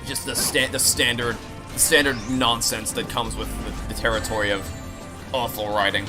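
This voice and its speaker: A man's voice: mid-range voice, flat delivery, normal speed. A man streaming a game, chatting with viewers and explaining his opinions in an analytical way while he plays. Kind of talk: live playthrough commentary and chat. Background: video game music and sounds.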